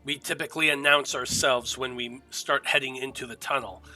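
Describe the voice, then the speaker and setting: A man narrating a tabletop game as game master, describing scenes in a halting, measured way. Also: mid-range voice, steady tone, pushed and bright.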